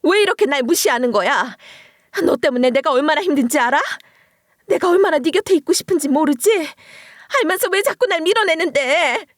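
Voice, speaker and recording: A scheming, clingy mother-in-law presses and reproaches in a pushy, wheedling way, played by a woman narrator. The voice is slightly high and swings widely in pitch. The sound is dry and close. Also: lively intonation, fairly quick, no echo. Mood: reproachful.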